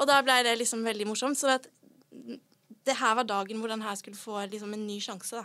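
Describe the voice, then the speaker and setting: A woman talks at a very fast pace in a fairly high pitch. Her tone is bright and sharp. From Southern Norway (Sørlandet). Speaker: childhood cancer survivor and speaker. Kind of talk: interview. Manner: hesitant, with many fillers.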